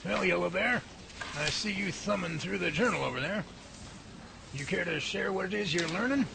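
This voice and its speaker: A man's voice: sits high, moderate pace, creaky. An actor in a hobby radio drama playing a folksy, curious older male professor who teases and asks questions, over a noisy recording. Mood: inquiring. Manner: folksy and inquisitive.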